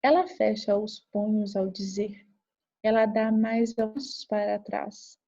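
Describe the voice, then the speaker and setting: Woman reader, slow and mellow, calm narration, dull lo-fi sound. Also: mid-range voice. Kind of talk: slow scripted reading of a therapy session.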